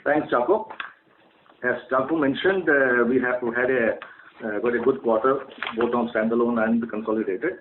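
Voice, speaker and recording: The call sounds thin and roomy, with some background noise. A man of medium pitch reports on finances in a halting, self-correcting way. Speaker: finance executive presenting results. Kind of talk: business report on a conference call. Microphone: telephone conference call. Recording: echoey, noisy, narrow phone line.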